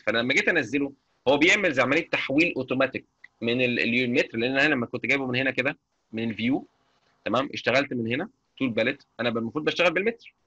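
Egyptian man with an Egyptian Arabic accent, live software lecturer, husky, dry close sound, keeps asking if you follow. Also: mid-range voice, no echo. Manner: chatty, checks understanding constantly. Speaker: software instructor. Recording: dull lo-fi mic.

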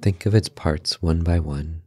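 A man with an extremely low, dark voice guides a meditation. He speaks calmly in short instructional phrases, leaving slow, unhurried space between them. The sound is close and dry. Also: husky, no room sound.

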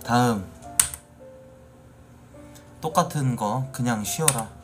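A man ranting at his chat during a live stream, swearing and building into angry shouts. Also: medium pitch, takes it slowly, faint music behind. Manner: angry, profane, rising to shouting. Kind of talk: casual live-stream rant.

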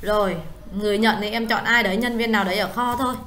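A woman, tutoring a student one-on-one in accounting software, explaining step by step and often checking that she is understood. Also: medium pitch, fairly even intonation, fast.

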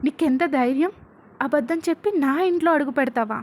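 An enraged, possessive young man who shouts and sneers, read by a woman storyteller. His cutting, scornful words come in a high voice. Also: brisk, close to an everyday voice. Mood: furious.

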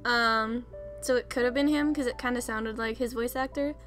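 Hosting a let's play over soft background music, a young woman speaks at normal speed in a slightly high voice with fairly even intonation. She rambles chattily through game menus, giggling and laughing at herself.

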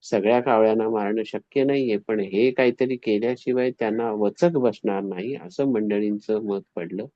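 A man telling a devotional story in an animated way, acting out the quoted voices. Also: on the low side, normal speed, few pauses, no echo. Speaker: spiritual storyteller. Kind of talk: devotional discourse. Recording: dull, dry, slightly lo-fi recording.

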